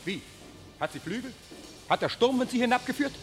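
Very high, excitable soldier lookout. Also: male voice, brisk, big-room sound, soft background music. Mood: alarmed. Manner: breathlessly urgent, exclamatory. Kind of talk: classic German radio play acting.

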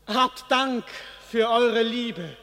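A man's voice: very high-pitched, very slow, noisy background, heavily acted. An actor playing a grand, pious king of France, addressing his people ceremonially in a classical radio play. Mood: solemn, exalted. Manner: ceremonial, proclaiming. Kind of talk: classical stage verse radio acting. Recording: long cathedral-like reverb.

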